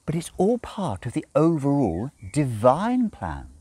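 A man voicing a prim, flustered, tipsy male angel in a storybook reading, halting and politely old-fashioned. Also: a little high, wildly swooping pitch, mellow, no echo, voice pushed up, full character voice. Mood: smug, fussy. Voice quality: croaky when strained. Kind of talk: dramatised book reading. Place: outdoors in a garden.

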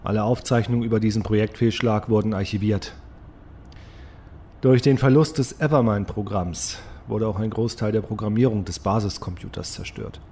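A man's voice: lowish voice, fairly even intonation, moderate pace, warm tone, slight background noise, natural voice. A man playing a sober, resigned scientist and project leader, dictating a formal, solemn log entry in an audio drama. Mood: grave, formal.

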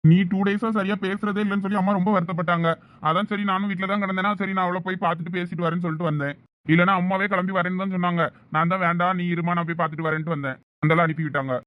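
Man for a protective, lecturing young villager, Thoothukudi Tamil, very fast talker. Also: sits high, steady tone, a bit bright, no echo. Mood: concerned. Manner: brisk, teasing, lecturing.

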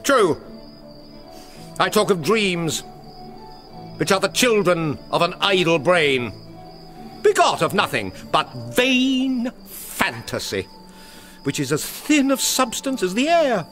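A man's voice: high voice, very animated, slow, pauses often, fairly bright tone, soft background music, exaggerated voice. An actor with a British accent playing a witty, mercurial young nobleman in a Shakespearean radio drama, theatrical and teasing, swinging between gleeful and brooding. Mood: wistful, intense. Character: mercurial, witty young nobleman spinning fantastical bawdy tales.

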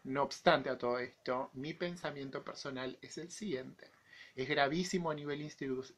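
A man's voice: medium pitch, fairly bright tone. A man in his forties with an Argentine accent, giving his opinion to camera as a vlogger, his voice affected by an infection he is recovering from. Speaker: YouTube vlogger. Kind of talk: personal opinion monologue to camera.

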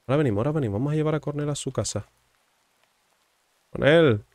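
A man casually commenting on his gameplay, teasing and chatting with the game's characters in a low murmur. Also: fast, darkish tone, dry recording. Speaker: gaming streamer.

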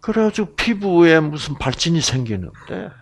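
A man's voice: a little high, sing-song, normal speed. A middle-aged man with a Gyeongsang Korean accent, giving a Bible lecture in a chatty storytelling way with many fillers and asides. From Gyeongsang province, Korea. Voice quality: gravelly and husky. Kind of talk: relaxed anecdotal Bible lecture.

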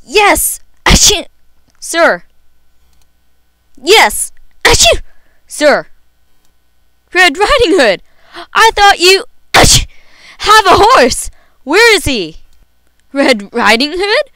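A woman voicing an excitable little fairy-tale dwarf who sneezes between words, in an audition. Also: extremely high pitch, extremely slow, long pauses, no echo, pitched above the performer's own voice, exaggerated voice. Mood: excited. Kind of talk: amateur character audition.

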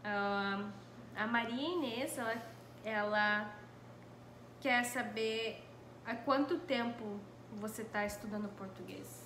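A young woman with a Brazilian accent reads questions in casual chat. Her voice is bright and somewhat high, and she takes her time. It echoes in the room with faint background noise. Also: takes it slowly. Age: young adult. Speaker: interviewer reading viewers' questions. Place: small living room, on a couch.

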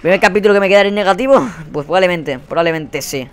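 A man's voice: sits high, fast talker, clear, resonant tone. A young man with a Spain Spanish accent giving heated gameplay commentary, swearing and ranting at other players. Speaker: gaming channel host. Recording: faint game gunfire behind.

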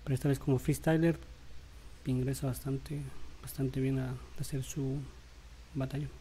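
Man, casual reaction commentary, halting, mellow, faint ambience. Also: mid-range voice, little pitch movement, slight background noise. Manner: halting, with frequent tag questions. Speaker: vlogger reacting to rap battle.

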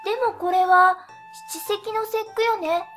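A woman acts a sweet young princess of the stars in an animated children's tale. Her voice is extremely high and girlish, politely curious, with faint music underneath. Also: a little slow. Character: sweet, dutiful young celestial princess, emperor's daughter. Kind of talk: scripted educational story dialogue.

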